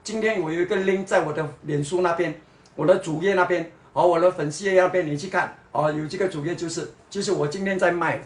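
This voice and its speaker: A man's voice: high-pitched, steady tone, fast talker, reverberant. A man from Singapore with a Singaporean Mandarin accent sprinkled with Hokkien words, mocking his viewers in a livestream chat. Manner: mocking, sarcastic, mixes in Hokkien and English.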